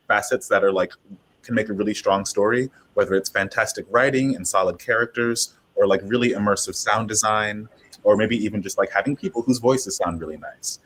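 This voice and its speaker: Man, lowish pitch, husky tone, casual panelist, conversational, filler-heavy. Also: fairly bright tone. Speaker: panelist, audio drama maker.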